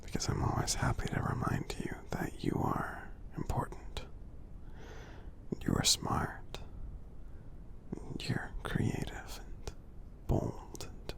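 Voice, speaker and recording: In an ASMR roleplay, a man voices a friendly, gentle giant, tender, encouraging and affectionate. His whisper is breathy and gravelly, delivered slowly, soothingly and haltingly.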